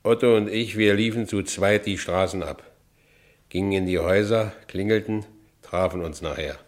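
A man's voice: deep voice, moderate pace, close to an everyday voice. A man playing a working-class Berlin ex-convict determined to go straight, narrating his own story in a radio drama with a Berlin accent. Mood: matter-of-fact. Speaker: narrator and lead character.

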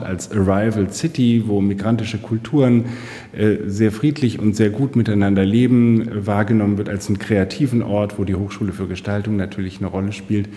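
A man's voice: lowish voice, warm tone. A man answering an interview question, hesitant with fillers. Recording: long reverb.

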